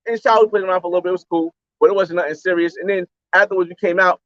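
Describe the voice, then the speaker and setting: High-voiced man rambling through a story. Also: fairly even intonation, rapid-fire, fairly bright tone, no room sound, highs cut off. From United States. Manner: rambling, slangy, repeats phrases. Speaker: travel vlogger. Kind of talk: casual storytelling on a livestream.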